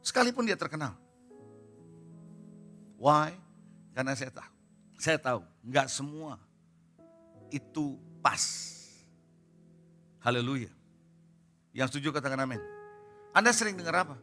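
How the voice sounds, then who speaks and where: High, bright-voiced man preaching. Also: sing-song, measured pace, pauses often, faint music behind. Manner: emphatic, keeps asking the congregation rhetorical questions. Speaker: pastor. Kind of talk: sermon. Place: church service.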